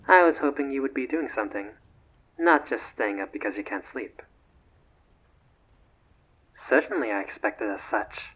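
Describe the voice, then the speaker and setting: Man as a husky, genteel vampire. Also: mid-range voice, a bit bright, highs cut off, natural voice. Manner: formal, measured, slightly haughty diction with sighs. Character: bored, courteous immortal male vampire, genteel and old-fashioned. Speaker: voice actor in a roleplay audio. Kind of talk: scripted roleplay audio drama, one side of a phone call.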